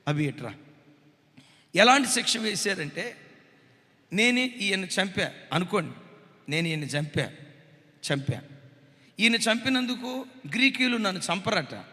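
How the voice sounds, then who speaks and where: A male Telugu pastor preaching a dramatic sermon, swinging between hushed asides and loud cries. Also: high voice, big pitch swings, a little slow, pauses often, big-room sound.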